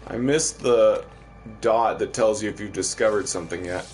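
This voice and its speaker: A man's voice: lowish voice, moderate pace, darkish tone, a little hiss or hum. A man from the American Midwest with a Midwestern accent, chatting casually while streaming a game and answering viewers. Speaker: livestream host. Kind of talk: casual gameplay commentary.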